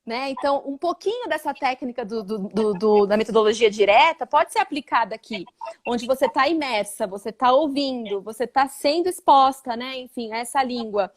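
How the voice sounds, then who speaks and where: A woman's voice: fairly high pitch, normal speed. A woman from Brazil, an English teacher, chatting casually in an interview and acting out quoted voices. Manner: animated, acts out quoted voices.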